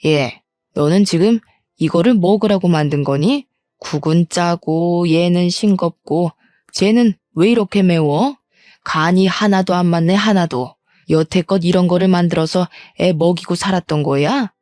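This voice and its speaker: Woman doing a contemptuous older mother-in-law, nagging scolder, lowered mellow voice. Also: unhurried, dry recording, studio quality, close to an everyday voice. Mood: scornful.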